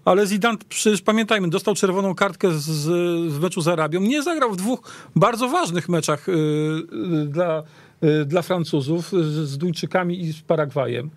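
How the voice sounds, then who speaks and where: Higher-voiced man talking football, halting. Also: no room sound. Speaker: football pundit. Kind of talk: casual sports discussion.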